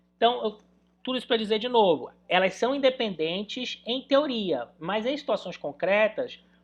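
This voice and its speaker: A woman talks at a fairly slow pace in an ordinary speaking voice. Her pitch is fairly high, with ordinary pitch variation. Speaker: law lecturer. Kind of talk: online lecture. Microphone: poor internet connection.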